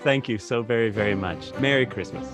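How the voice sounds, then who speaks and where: An actor playing a hospitable younger nephew hosting a party, effusive and welcoming, in a theatrical radio play. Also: male voice, on the low side, brisk, over music, lightly acted. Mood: fond.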